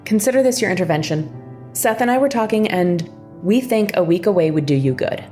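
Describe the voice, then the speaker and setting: A woman's voice: medium pitch, animated, brisk, mellow, close to an everyday voice. A woman playing a bossy but concerned sister in an audio drama, speaking in a blunt, sarcastic, insistent way. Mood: concerned, wry. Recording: music underneath the voice. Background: background music.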